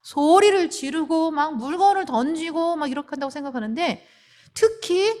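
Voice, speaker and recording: A woman counselor shares a personal story at a church marriage seminar. Her voice is somewhat high and lively, with frequent soft asides. The sound rings in a reverberant hall.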